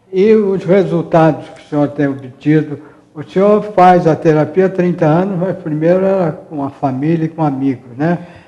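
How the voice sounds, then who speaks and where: A man with fairly high pitch and ordinary pitch variation speaks at a moderate pace with big swings in loudness over noticeable background noise. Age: 70s. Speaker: TV show host. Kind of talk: interview.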